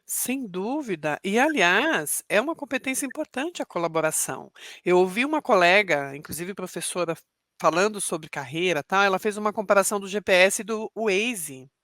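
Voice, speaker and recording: A woman's voice: mid-range voice, expressive, normal speed, a bit bright, dry recording, studio quality. A middle-aged woman with a Brazilian Portuguese accent, a podcast guest who talks reflectively and explains with examples. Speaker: podcast guest, leadership speaker. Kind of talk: interview conversation.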